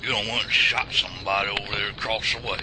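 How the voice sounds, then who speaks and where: A man playing a gruff old Southern coot. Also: on the low side, fairly even intonation, quick pace, very noisy, close to an everyday voice. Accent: rural Southern US. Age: older. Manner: gruff folksy drawl, bossy. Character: crusty old Southern Vietnam vet, bossy, hard of hearing. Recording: loud night crickets behind.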